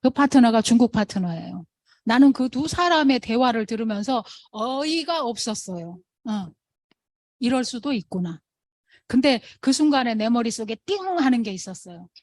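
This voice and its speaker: Woman, motivational sales talk, high-ish voice, animated storyteller who acts out quotes, dry close sound. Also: moderate pace, no room sound. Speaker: motivational speaker at a sales meeting.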